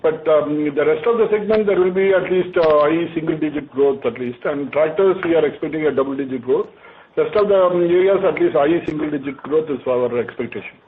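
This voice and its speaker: Halting Indian male executive, tinny phone line. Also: fairly high pitch. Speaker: bank executive answering questions. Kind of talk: conference call answer. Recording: loud narrow phone line with noise.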